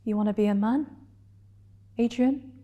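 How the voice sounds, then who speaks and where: A woman performing a dramatic stage monologue as a hurt, defiant gay woman confronting her partner, deliberately and with heavy pauses. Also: fairly high pitch, warm tone, muffled recording, lightly acted. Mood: pained, pleading.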